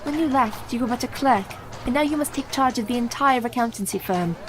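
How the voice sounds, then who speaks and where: Capable young wife, devoted and formal, voiced by a woman, slightly high voice, radio play. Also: a little fast, background noise, close to an everyday voice. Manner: polite, earnest, formal speech.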